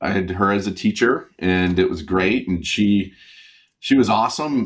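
This man has a very deep, low voice. He speaks with an American accent. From US Midwest, northern Illinois near Chicago. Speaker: comic illustrator. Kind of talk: interview.

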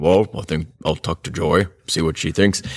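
In a put-on character voice, a man speaks at a moderate pace, raspy and very deep in pitch.

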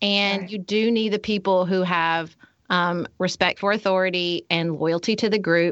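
A woman speaks in a plain, everyday voice, fairly low-pitched, with ordinary pitch variation. The background is quiet. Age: 30s. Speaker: political podcast co-host. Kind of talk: casual chat.

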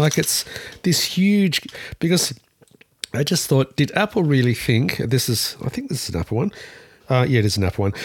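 A man speaks with long, frequent pauses and pitch that swings very widely. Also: fairly high pitch for a man, moderate pace. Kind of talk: casual chat. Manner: halting, repeats words.

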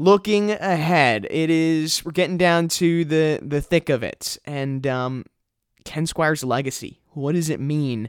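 Fairly high in pitch, a man in an unremarkable speaking voice talks at a fairly slow pace with ordinary pitch variation. The sound is very clean and dry, close with no echo, over a silent background. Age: 20s. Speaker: podcast host. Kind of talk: interview and narration.

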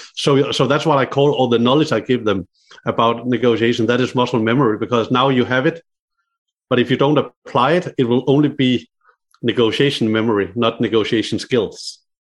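Talking at a fairly quick pace with a Danish accent, a man keeps a medium pitch, fairly even intonation, and very even loudness. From Denmark. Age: 40s. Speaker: negotiation consultant. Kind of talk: casual chat.

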